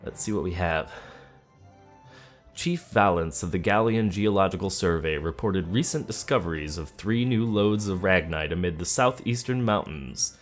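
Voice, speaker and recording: A man doing game commentary for a let's play, reading in-game text and talking through his choices. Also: deep voice. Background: game music.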